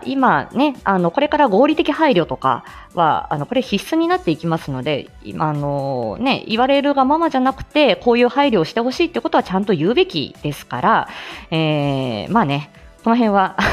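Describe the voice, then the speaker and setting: A woman hosting a casual live stream, chatting and laughing often as she reads viewer comments, with plenty of fillers. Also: medium pitch. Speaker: live stream host and voice actor.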